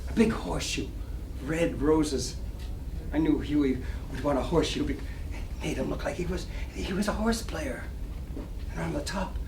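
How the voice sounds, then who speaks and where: An actor in a dramatic stage reading, playing a boastful, maudlin small-time gambler with slangy wise-guy talk. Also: a little high. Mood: sentimental, proud. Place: library reading room. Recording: distant roomy recording with clear noise.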